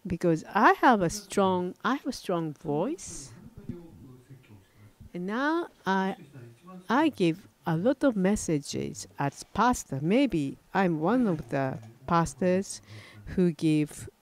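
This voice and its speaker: An older man from Japan, a native Japanese speaker, preaching a sermon in English with a Japanese accent, halting and often correcting himself. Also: sits high, very animated. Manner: halting, frequent self-corrections and restarts. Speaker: pastor. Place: church platform at a wooden lectern, indoors.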